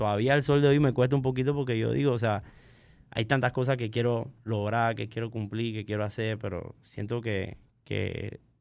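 Medium in pitch, a man's ordinary speaking voice runs at a fairly quick pace with fairly even intonation. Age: 20s. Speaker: music producer. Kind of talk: casual interview.

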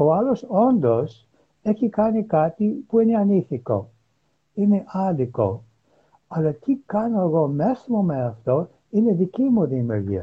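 A man's high voice, fairly slow, with very wide pitch swings and very even loudness. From USA and Lebanon. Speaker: spiritual teacher and author. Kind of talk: casual interview. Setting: Instagram live video call.

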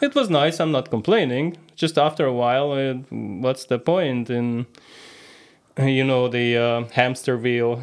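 In a Hungarian accent, a man talks fairly slowly at a medium pitch with ordinary pitch variation. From Hungary. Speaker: history and English graduate, hike coordinator. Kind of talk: casual interview.

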